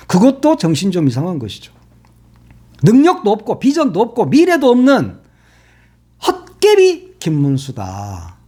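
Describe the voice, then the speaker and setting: Man, political commentary host, mocking and heated, high voice, wildly swinging pitch. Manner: heated, mocking, swears freely; sarcastic, shifts between shouting and muttering. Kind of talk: casual political commentary monologue.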